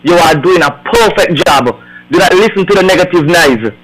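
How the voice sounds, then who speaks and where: A man's voice: high voice, normal speed, rough recording. A man calling in over the phone to a radio show, insistently repeating his words of support. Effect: heard over the phone.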